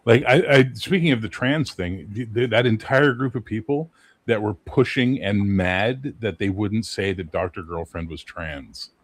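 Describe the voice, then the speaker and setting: A man hosting a casual livestream chat, blunt, opinionated and quick to swear. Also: fairly low pitch, animated, dry recording. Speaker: host.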